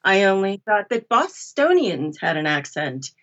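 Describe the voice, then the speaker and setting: A woman's voice: medium pitch, very animated, measured pace, a bit bright, dull audio. An American woman from western Massachusetts, chatting casually and telling stories as a podcast guest. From Berkshires, western Massachusetts, US. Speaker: podcast guest, audiobook narrator. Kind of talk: casual conversational storytelling.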